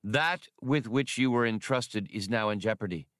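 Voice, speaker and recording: A stern official of a ruthless order acted by a male narrator speaks in a low, commanding voice. The phrasing is formal and deliberate, suited to a space adventure story. The recording is very dry. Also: a bit bright, no room sound, natural voice.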